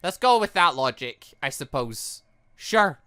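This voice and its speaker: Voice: medium pitch, sing-song, a little slow, pushed and bright. A gaming video host giving casual, chatty, jokey commentary while playing through a game and reading its dialogue aloud.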